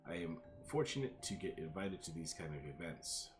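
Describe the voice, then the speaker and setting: An adventurous, danger-seeking American journalist in a game, read out by a man in his own voice, pitched low and deep. Game music plays clearly underneath. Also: expressive, normal speed. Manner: read aloud in the streamer's own voice. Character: adventurous male American journalist, self-styled danger seeker.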